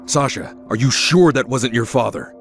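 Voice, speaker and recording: Male actor as hardened soldier villain, gravelly fry, wide-swinging pitch, bitter and confrontational, game cutscene, music behind. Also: expressive, normal speed, natural voice. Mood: brooding. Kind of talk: dramatic game cutscene acting.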